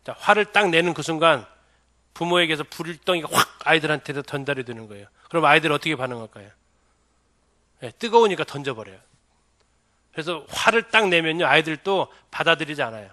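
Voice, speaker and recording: Bright-voiced pastor quizzing his audience. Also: a little high, lively intonation, brisk. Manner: asks the audience many questions. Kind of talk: church seminar lecture.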